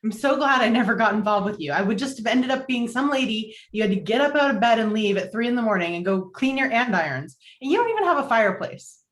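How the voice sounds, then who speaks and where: Actress as high-voiced indignant friend, roomy echo. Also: female voice, animated, fast, few pauses, fairly bright tone. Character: frank, easily indignant single woman, opinionated friend. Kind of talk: virtual table read of a film comedy. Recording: roomy, echoing home recording.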